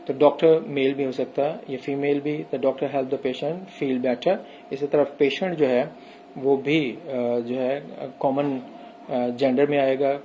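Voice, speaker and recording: Mellow-voiced male teacher explaining grammar. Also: mid-range voice, a little hiss or hum, low-quality recording. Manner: explains step by step, mixing in English examples. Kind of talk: recorded classroom lecture.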